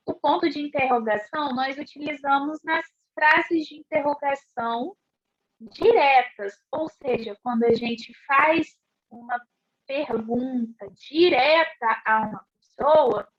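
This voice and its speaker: A woman teacher explaining a class lesson slowly and clearly, asking rhetorical questions. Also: sits high, a bit bright. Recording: dull lo-fi recording.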